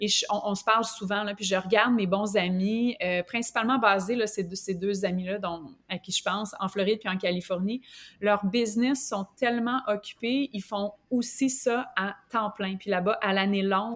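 A woman speaks at a moderate pace and medium pitch with fairly even intonation. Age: 40s. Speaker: yoga teacher. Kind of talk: casual interview chat.

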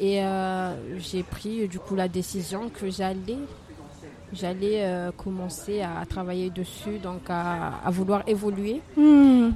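Very slow speech from a woman, medium in pitch. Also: ordinary pitch variation. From Comoros. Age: 20s. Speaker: young entrepreneur. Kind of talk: interview. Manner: hesitant, many fillers.

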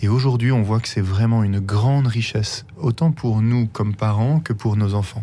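A man speaks at medium pitch and a moderate pace with ordinary pitch variation, very even loudness, and hardly any pauses. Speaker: missionary. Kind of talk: testimony. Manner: hesitant, many fillers.

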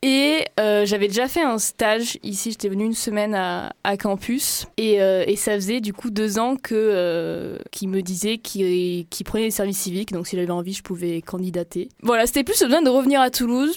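A woman talks at medium pitch and a moderate pace, with ordinary pitch variation and hardly any pauses. It is an unremarkable speaking voice. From French Pyrenees. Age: 20s. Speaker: community radio presenter. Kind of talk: casual chat.

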